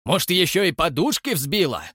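A man voicing a boisterous, burly elderly man who roars his words loudly. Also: sing-song, measured pace, no echo, clean studio sound. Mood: gruff. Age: older. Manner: booming, roaring.

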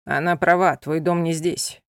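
A woman's voice: low-pitched, steady tone, moderate pace, clear, resonant tone, no echo, studio quality, voice pushed down. A woman voicing a proud, stern young gypsy man who speaks coldly and curtly. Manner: cold, curt and commanding.

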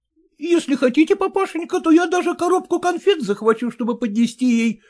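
A man's voice: very high-pitched, fairly quick, a little mellow, voice pushed up. A man voicing a fussy, stingy, servile male clerk who mutters and answers deferentially to his father-in-law. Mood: fawning.

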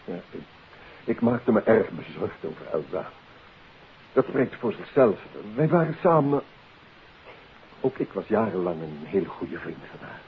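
A man's voice: fairly low pitch, sing-song, unhurried, long pauses. An actor playing an uneasy, formal male suspect in a 1950s Dutch radio play, hesitant and defensive. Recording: tinny, hissy old radio recording.

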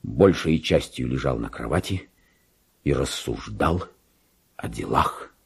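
Raspy creaky mad little clerk, pompous n obsessive, voice lurching all over, radio play. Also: male voice, animated, takes it slowly, heavily acted. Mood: brooding, troubled. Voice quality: husky, creaky. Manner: agitated, pompous, swinging from hushed musing to shrill indignation. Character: deluded petty Russian government clerk, pompous, obsessive, slipping into madness. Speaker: actor in a literary monologue. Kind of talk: theatrical radio monologue, diary read aloud.

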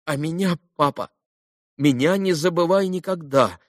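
A man's voice: a little high, measured pace, dry recording, studio quality, voice pushed up, natural voice. Man voicing a frail, tearful sick boy. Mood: pleading. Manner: trembling, tearful pleading. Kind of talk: audiobook character reading.

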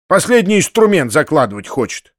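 A gaunt older workman who scolds in a stern, pedantic tone, loud and pitched well above the reader's usual voice, as a male audiobook reader plays him. The recording is dry and close. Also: sing-song, a little fast, no echo. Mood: scolding. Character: stern, tall, lean elderly male workman.

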